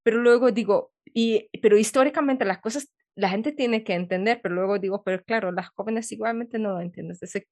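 A woman's voice: mid-range voice, fairly quick, hardly any pauses, no room sound. A woman hosts a casual podcast interview, thinking aloud as she talks. She halts and restarts often, and her voice is recorded close and dry. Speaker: podcast host.

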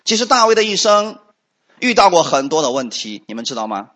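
A man's voice: fairly high pitch, big pitch swings, brisk, a bit bright. A man preaching a fervent sermon as pastor, often putting questions to the congregation. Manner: fervent, rising and falling emphatically, asks the congregation questions.

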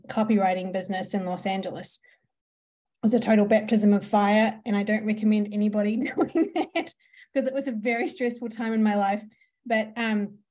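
A woman's voice: medium pitch, darkish tone. A woman from New Zealand with a New Zealand accent, a podcast guest telling her business story in a chatty way, with frequent ums and laughs. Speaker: podcast guest, marketing entrepreneur. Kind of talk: conversational storytelling.

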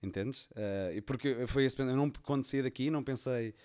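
A man in his thirties with a European Portuguese accent, talking in a relaxed, unhurried way. He tells his stories as a podcast guest, often pausing on fillers and starting sentences over. His voice sits at a medium pitch. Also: smooth. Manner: relaxed storytelling, many fillers and restarts. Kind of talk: casual conversation.

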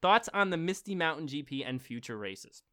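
In a casual podcast chat, a young co-host reads out listener emails, rambles full of filler words and gets riled up over marble racing. He speaks at a normal speed in a slightly high, sharp voice with lively intonation.

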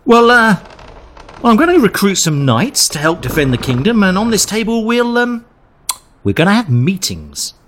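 A woman's voice: mid-range voice, very animated, moderate pace, a little hiss or hum, close to an everyday voice. A woman playing a sheepish, pompous, stammering king in an audio pantomime. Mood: sheepish boasting. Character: bumbling, sheepish King Arthur, henpecked husband. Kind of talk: pantomime radio acting.

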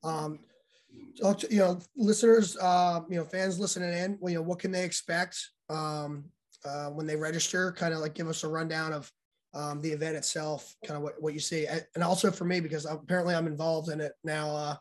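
Male podcast host, slightly high, voice recovering, rambling and casual. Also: flat delivery, fairly quick. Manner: loose, rambling questions with many fillers. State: recovering from losing his voice.

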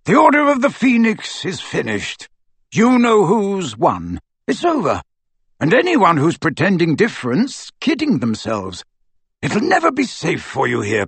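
Storybook old wizard as a man acts him out: cynical, gruff, husky, pitched up and scornful. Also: no room sound, exaggerated voice. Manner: rough, terse, scornful.

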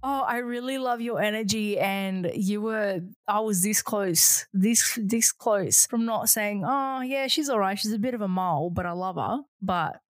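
A woman's voice: medium pitch, unhurried, hardly any pauses, no room sound. A woman co-hosting a podcast chats in a playful, joking way and laughs often. Her voice sits in a middle register. The sound is dry and close, with no room around it. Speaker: podcast co-host. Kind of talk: casual chat.

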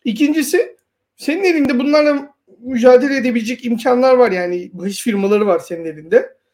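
A woman's voice: a little high, fairly quick, a little mellow. A woman co-hosting a casual talk, giving informal, sardonic commentary and explaining her points at length. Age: adult past university years. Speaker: co-host.

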